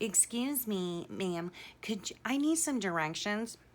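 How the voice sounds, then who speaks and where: Using a put-on character voice, the speaker talks at a moderate pace with fairly high pitch. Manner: creepy, weird, polite but unsettling.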